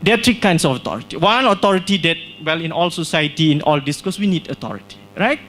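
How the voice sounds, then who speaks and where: A man's voice: on the high side, lively intonation, quick pace, fairly bright tone. A man from Singapore presenting his book at a launch event, talking in a discursive way with frequent "right?" tag questions and restarts. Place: small hall.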